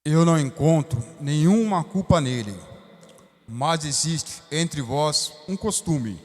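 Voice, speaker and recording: Stern questioning governor read by a Brazilian man, slow and measured, church reverb. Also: fairly high pitch, lively intonation, darkish tone. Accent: Brazilian Portuguese. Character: Pontius Pilate, stern questioning Roman governor. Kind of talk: liturgical Passion reading.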